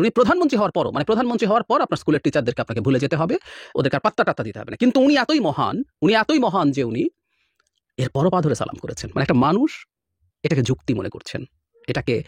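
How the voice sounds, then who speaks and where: A man gives political commentary in an animated, scornful way, dropping in English phrases. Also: a little high, breathy edge, no echo, clean studio sound. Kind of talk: spoken commentary.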